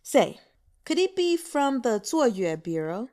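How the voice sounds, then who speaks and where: A woman's voice: a little high, sing-song, slow, darkish tone. Woman doing a cold, curt male lord. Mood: musing.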